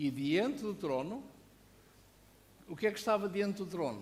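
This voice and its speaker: In a European Portuguese accent, a man speaks at a fairly slow pace with a high pitch. His pitch swings very widely, and audible room echo surrounds him. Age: 60s. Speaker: pastor. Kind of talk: sermon.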